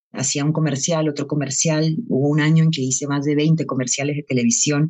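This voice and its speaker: This woman's voice sits very deep and low, and she talks at a fairly quick pace. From Peru, Lima. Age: 40s. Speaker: actress. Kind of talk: podcast interview. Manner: hesitant, many fillers.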